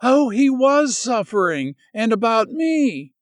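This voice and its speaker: A man's voice: high-pitched, lively intonation, unhurried, clear, resonant tone, dry recording, clean studio sound, pitched above the performer's own voice. A man voicing a feverish, distraught young woman who pleads desperately. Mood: despairing.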